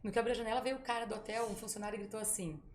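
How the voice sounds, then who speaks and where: A woman with a Brazilian Portuguese accent, a podcast guest telling a story in a lively way and acting out the voices of the people in it. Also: fairly high pitch, rapid-fire, slight background noise. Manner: lively storyteller who acts out quoted voices. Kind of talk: casual storytelling in a podcast interview.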